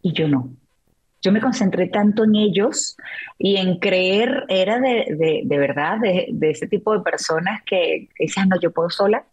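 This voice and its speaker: Middle-aged woman guest on a podcast, kinda husky and low, opening up about her past, lots of restarts. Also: measured pace, a little mellow, lo-fi sound. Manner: candid, reflective, emotional retelling with many restarts. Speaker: interview guest, journalist and author. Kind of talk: personal storytelling in a podcast interview.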